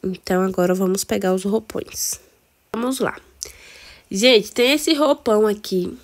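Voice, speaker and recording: A woman with a Brazilian accent and a cold, hoarse, chatting casually to viewers through a game walkthrough. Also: medium pitch, measured pace. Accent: Brazilian Portuguese. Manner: chatty, addresses viewers as "amores". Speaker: gameplay video host.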